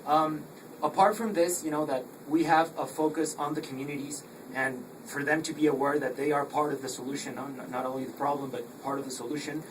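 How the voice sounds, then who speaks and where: A man asking a spontaneous, earnest question at a public talk, halting and often rephrasing. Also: fairly high pitch, steady tone. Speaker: audience questioner. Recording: distant mic, noisy room.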